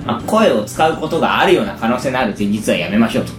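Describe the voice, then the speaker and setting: A man with a hoarse, raspy voice worn out from shouting, chatting casually and at length as a show host. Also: mid-range voice, expressive, fast. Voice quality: hoarse, gravelly rasp from overused voice. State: hoarse after a day of shouting karaoke. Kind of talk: casual chat. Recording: echoey room with music behind. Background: background music.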